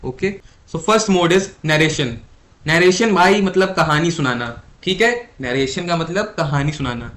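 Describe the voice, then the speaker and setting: A young man giving an exam lesson, mixing Hindi and English, who slows down to repeat key definitions and keeps quizzing his listeners. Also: a little high, a bit bright. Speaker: exam tutor.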